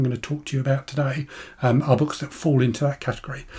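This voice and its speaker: A man with a British accent speaks very fast in a fairly high, somewhat breathy voice. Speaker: book youtuber. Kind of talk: casual vlog chat. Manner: hesitant, many fillers.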